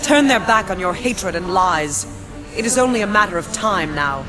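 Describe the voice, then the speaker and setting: An actress playing a noble young female princess who speaks in a formal, measured way in a game. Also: medium pitch, animated, music in the background, close to an everyday voice. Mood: dignified. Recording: game score under the voice.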